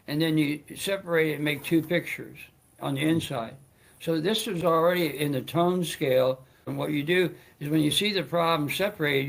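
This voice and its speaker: A man's voice: fairly high pitch, fairly bright tone. A man hosting his own talk show, speaking in a rambling, stammering way with frequent restarts and joking asides. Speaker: show host.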